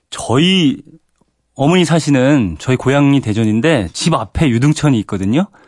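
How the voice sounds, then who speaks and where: Against a quiet background, a man with a medium pitch uses an ordinary speaking voice at a fairly slow pace. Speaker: radio host. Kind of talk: radio morning show hosting. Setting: studio. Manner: formal broadcaster.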